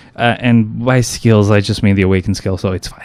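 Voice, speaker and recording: Speaking with a non-native accent, a man has a dark, mellow tone. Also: very clean recording, silent background. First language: not English. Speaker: gaming streamer. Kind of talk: live gameplay stream commentary. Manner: casual, hesitant with many fillers.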